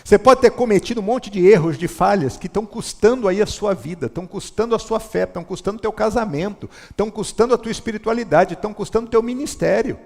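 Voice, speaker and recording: A man with a high voice preaching a sermon to his congregation. He swings from loud appeals to soft, low passages. His voice rings out with a long reverb in a church hall. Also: quick pace, gravelly, hardly any pauses. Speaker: pastor.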